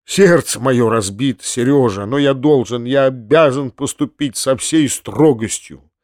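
A man voicing an excitable middle-aged landowner uncle, a former cavalry officer, who swings from heartfelt pleading to shouted orders. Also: medium pitch, unhurried, dry recording, studio quality, lightly acted. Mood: agitated. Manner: emotional, bursts into furious shouted orders.

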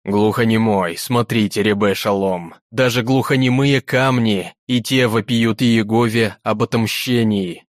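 A man's voice: lowish voice, a little slow, few pauses, no echo, studio quality, close to an everyday voice. Man voicing a harsh zealous executioner. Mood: solemn. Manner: solemn, harsh.

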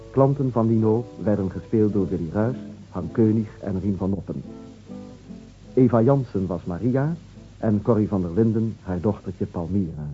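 A man reading scripted credits as a radio announcer, formal and deliberate. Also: lowish voice. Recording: muffled old radio recording.

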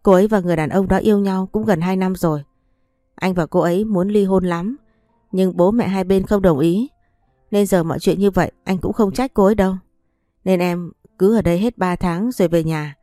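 A woman voicing a calm, cool-mannered young husband in a spoken story, speaking in a level, patient, coaxing way. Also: mid-range voice, brisk, dry recording, clean studio sound, faint music behind, close to an everyday voice. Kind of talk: audiobook character reading.

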